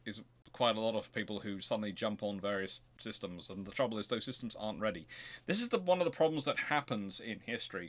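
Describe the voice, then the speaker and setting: A man's voice: medium pitch, a bit bright. A man hosting an informal history question-and-answer livestream, talking in a discursive, rambling way and often restarting his sentences. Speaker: host, naval historian.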